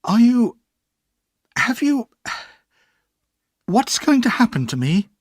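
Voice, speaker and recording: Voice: medium pitch, very animated, slow pace, husky, no room sound, voice pushed up, exaggerated voice. A narrator voicing a timid, anxious young boy who speaks in a hesitant, pleading way.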